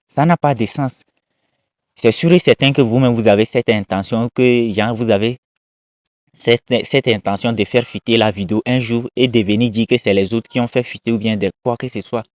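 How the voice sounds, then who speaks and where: A man's voice: mid-range voice, moderate pace, dry recording. A man giving casual, emphatic commentary on viral videos, repeating his points and moralizing. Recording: dull lo-fi dry sound.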